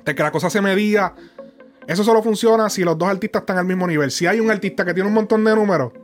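A man's voice: high voice, quick pace. A young man with a Puerto Rican accent, hosting a music commentary show in emphatic, profanity-heavy casual talk with many restarts. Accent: Puerto Rican Spanish.

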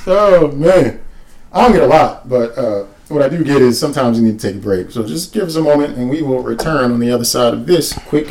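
A man's voice: mid-range voice, lively intonation, a little mellow, poor audio. Joking male podcast co-host. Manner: loose, joking, quick asides. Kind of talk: casual comedic chat.

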